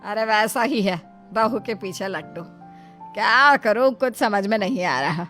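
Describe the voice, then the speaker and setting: A woman's voice: medium pitch, measured pace, fairly bright tone, faint music behind, close to an everyday voice. A woman voicing a spiteful middle-aged mother-in-law who sneers and scolds. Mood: scornful. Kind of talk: dramatized story voice.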